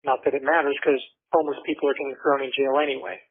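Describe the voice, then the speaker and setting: A man chatting casually and haltingly over a prison phone line. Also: medium pitch, flat delivery, slightly rough. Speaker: jail inmate on a phone call. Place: jail phone in a pod. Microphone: telephone handset.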